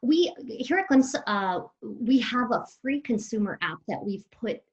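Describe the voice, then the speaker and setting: Female exec guest, mid pitch, friendly and upbeat, home video call. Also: animated, measured pace, highs cut off. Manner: friendly, upbeat, articulate with some fillers. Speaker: business executive guest. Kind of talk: casual remote interview.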